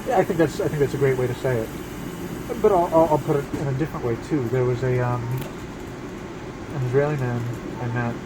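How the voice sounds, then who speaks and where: A man answering as an interview guest, measured and reflective, pausing mid-sentence. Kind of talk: casual conversational interview. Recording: noisy, air conditioning and vehicle rumble.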